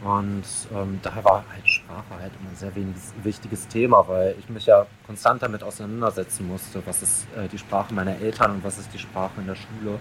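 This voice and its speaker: A man speaks as a podcast guest, reflecting in a halting way with many fillers. His voice is fairly low. Faint noise sits under the recording. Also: level tone, a bit bright, low-quality recording. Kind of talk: casual chat.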